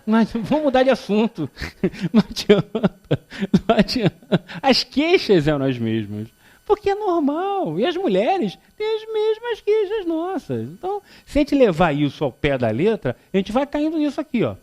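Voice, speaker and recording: A man's voice: very high voice, moderate pace. A man in his fifties with a Rio de Janeiro accent, giving a public spiritist talk as a lecturer, joking and acting out little dialogues as he tells stories. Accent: Carioca Brazilian Portuguese. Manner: animated, joking storyteller who acts out dialogue. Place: lecture hall before an audience.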